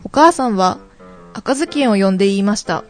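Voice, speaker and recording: A woman narrating a fairy tale in steady storybook style, then chatting casually about it. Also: medium pitch, brisk, soft background music. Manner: steady narration, relaxed laughing chat. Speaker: storyteller and co-host. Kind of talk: storybook reading and casual chat.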